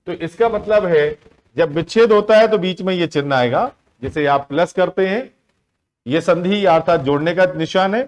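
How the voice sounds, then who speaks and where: A man with a slightly high voice teaches a grammar lesson for exam prep. He keeps putting a question to his students and answering it himself, stretching out the key words as he goes. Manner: asks the class questions and answers them himself, drawn-out words.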